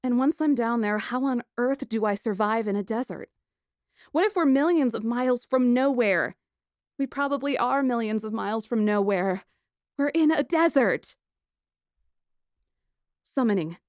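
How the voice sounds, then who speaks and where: A woman playing a plucky, sarcastic kidnapped young woman who narrates her ordeal in a first-person audiobook, wry and expressive. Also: on the high side, normal speed, long pauses, dry recording, clean studio sound, natural voice. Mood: anxious.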